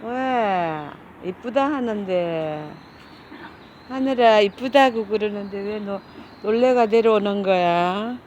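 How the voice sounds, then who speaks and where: Her mid-range voice is a little mellow and slow as this middle-aged woman, a cat caretaker who runs the channel, talks casually and keeps calling the cats affectionately while feeding them on an outdoor hillside. The sound is lo-fi with slight background noise.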